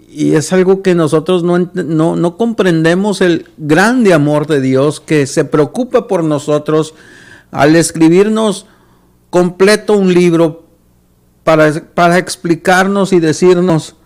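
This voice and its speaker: A man's voice: a little high, a little mellow. A man hosting a Christian radio talk show, earnest, often repeating words as he searches for them.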